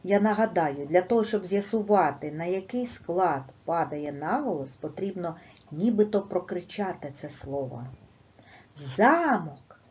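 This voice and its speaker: A woman teaching a lesson to young children, speaking slowly and stressing each word with a lively, sing-song lilt. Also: lowish voice. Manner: slow and deliberate, stressing words emphatically. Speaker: primary school teacher. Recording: dull, lo-fi recording.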